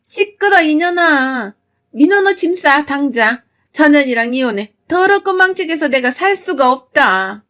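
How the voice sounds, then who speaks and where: Woman doing a shrill bossy mother-in-law. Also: lively intonation, normal speed. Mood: furious. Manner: shouting, domineering.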